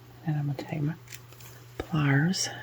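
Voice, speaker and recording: Soft-spoken and at a moderate pace, a woman talks in a very deep, low pitch with an American accent. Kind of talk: tutorial. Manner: casual.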